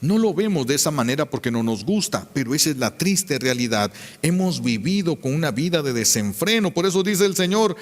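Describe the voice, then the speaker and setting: A man's voice: medium pitch, big pitch swings, brisk, in a large hall. A man, a priest delivering a sermon in an emphatic preaching manner that rises to fervent peaks.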